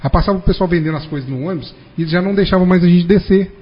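A man, telling a long anecdote fast and animatedly in casual podcast chat. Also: sits high, slightly rough. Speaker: podcast guest. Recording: dull, reverberant room recording.

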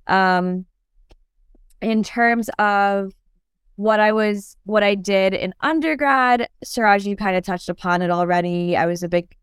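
A woman's voice: medium pitch, a little slow, clear, resonant tone, no echo, clean studio sound. A young woman, born in Turkey and raised in New York, chatting as a dental student guest on a podcast, full of "like" and "um". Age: young adult. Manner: chatty, lots of "like" and "um" fillers. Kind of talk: casual podcast interview.

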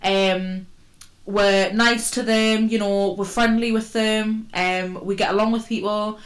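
A woman's voice: mid-range voice, steady tone, slow. A woman co-hosting a podcast in casual, jokey banter, talking with braces on. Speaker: podcast co-host.

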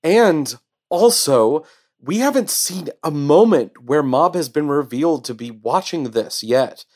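A man co-hosting a casual podcast, talking through an anime episode with enthusiasm and lots of halting restarts. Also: on the high side, expressive, a little mellow. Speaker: podcast co-host. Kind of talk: casual anime review chat.

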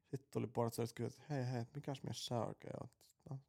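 A man's voice: medium pitch, fairly even intonation, creaky, darkish tone. A man co-hosting a casual podcast, telling rambling stories full of swearing and laughing at his own jokes. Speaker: podcast co-host. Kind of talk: casual crude banter.

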